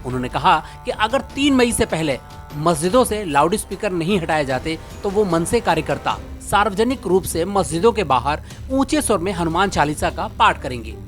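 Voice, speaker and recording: News explainer presenter, Indian accent, medium pitch, reads from script over a music bed. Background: background music.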